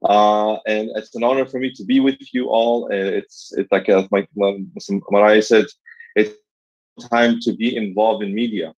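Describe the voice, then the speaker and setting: A man in his forties who grew up in Los Angeles, speaking in a friendly way with frequent pauses at an online ceremony over a video call. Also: lowish voice, fairly even intonation, darkish tone, dull audio. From Afghanistan, raised in Los Angeles. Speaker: guest speaker.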